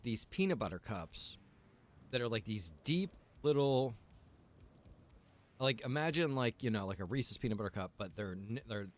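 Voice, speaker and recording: A man hosting a livestream, chatting casually to viewers in a rambling, halting way with informal asides. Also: mid-range voice. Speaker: livestream host. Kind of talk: casual chat to stream viewers.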